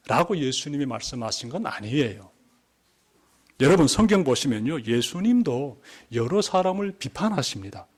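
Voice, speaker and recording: A man, a pastor, preaching a Sunday sermon in a church, speaking deliberately, repeating key words and rising in pitch for emphasis. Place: church sanctuary.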